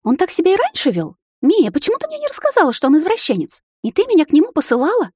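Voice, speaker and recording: A woman's voice: very high-pitched, wildly swooping pitch, quick pace, a little mellow, dry recording, studio quality, voice pushed up, heavily acted. A woman voicing the narrator's young sister, agitated and indignant.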